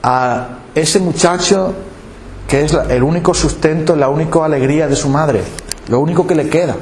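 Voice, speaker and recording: A man preaching a sermon in a lively, dramatic way, acting out the voices he quotes. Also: a little high, moderate pace, reverberant, slight background noise. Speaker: pastor.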